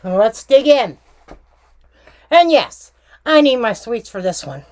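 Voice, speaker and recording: A woman's voice: a little high, big pitch swings, normal speed, darkish tone. A woman hosting a casual true crime tarot reading vlog, chatty and emphatic with slangy asides. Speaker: tarot reader and true crime channel host.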